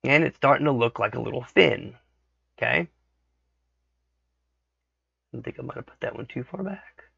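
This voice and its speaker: A man with a hoarse voice from a cold, talking through a software tutorial casually and checking in with "okay" as he works. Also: mid-range voice, animated, normal speed, no echo. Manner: thinks aloud, frequent "okay" checks. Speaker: 3D modeling tutorial host. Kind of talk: casual screen-recorded tutorial. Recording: dry, dull lo-fi mic.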